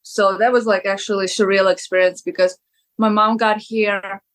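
A woman from Ukraine with a Ukrainian accent, an actress telling lively stories in an interview, often saying "like". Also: medium pitch, moderate pace. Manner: lively storyteller, laughs often, many "like"s. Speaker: actress, guest. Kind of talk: casual interview.

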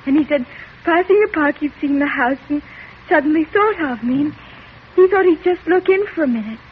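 An actress playing a frightened, hysterical young daughter who answers in a trembling, tearful voice, in 1940s radio drama style. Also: female voice, high voice, expressive, a little fast. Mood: shaken. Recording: tinny old radio broadcast with hiss.

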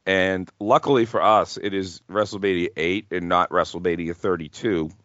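A man's voice: low-pitched, steady tone, moderate pace, fairly bright tone, no room sound, muffled recording. A man hosting a casual wrestling chat podcast, talking in a jokey, hyperbolic way with some swearing. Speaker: podcast host.

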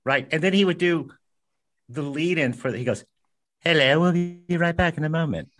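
A man's voice: fairly high pitch, normal speed, fairly bright tone. A man co-hosting a podcast, dropping joking asides in casual chat. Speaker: podcast co-host.

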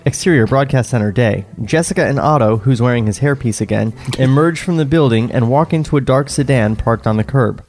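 A man's voice: medium pitch, fairly quick, hardly any pauses, darkish tone, faint music behind. Man reading stage directions aloud. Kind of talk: casual comedic chat and script narration.

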